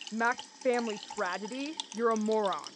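A woman's voice: on the high side, moderate pace, a little hiss or hum, natural voice. An actress playing a blunt but caring young woman in an audio drama. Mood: scolding.

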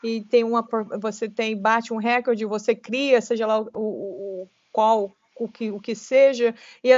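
A Brazilian woman in her late forties with a Brazilian Portuguese accent, a trail runner talking as a guest. She speaks in animated bursts with many restarts. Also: on the high side, a little slow, no echo. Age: late 40s. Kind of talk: casual interview conversation. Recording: dull lo-fi podcast audio.

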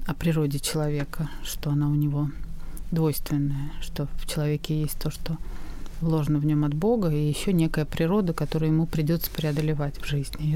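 A woman, a guest on a podcast interview, explaining her views in a thoughtful, measured way with frequent hesitations. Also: low voice, mellow.

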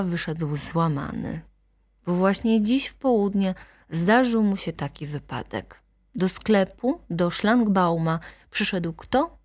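A woman's voice: mid-range voice, dry recording, studio quality. Woman reading a classic novel aloud. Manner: measured, expressive reading. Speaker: audiobook reader.

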